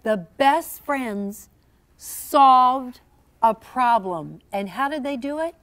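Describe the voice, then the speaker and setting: A woman reading a children's story aloud to young listeners in an animated, teacherly way, prompting them with questions. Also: sits high, slow. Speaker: storyteller reading own children's book to a class. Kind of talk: interactive children's read-aloud.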